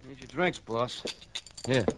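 An actor playing a rough, slangy henchman in a 1960s radio drama, with a gruff, dim-witted manner. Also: medium pitch, takes it slowly, background noise, natural voice. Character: rough, surly henchman, adult man.

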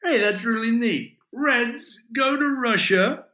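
A man doing a drunk, excitable young romantic. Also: extremely high pitch, slow, reverberant, voice pushed up, heavily acted, poor audio. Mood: excited. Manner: drunken, exclaiming, gasping.

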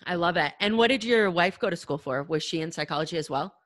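A woman hosting an interview podcast and coaching pitch, talking in an upbeat, chatty way with casual fillers. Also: expressive, fast, a bit bright, no room sound, clean studio sound.

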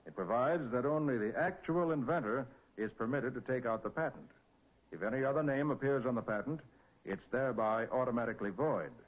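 An actor with an American accent playing a confident master detective in 1940s radio drama, explaining things in an assured, crisp manner. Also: male voice, mid-range voice, fairly quick, close to an everyday voice. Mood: assured, explanatory. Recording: muffled vintage 1940s radio recording with music.

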